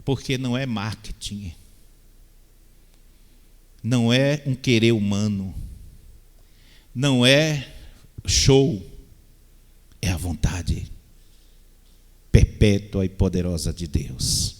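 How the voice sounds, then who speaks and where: A pastor preaching a sermon, often asking the congregation "Amém?" and slipping in light-hearted asides. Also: male voice, on the low side, animated, slow, long pauses. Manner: call-and-response "Amém?" with playful asides. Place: church hall. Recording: long reverb of a church hall.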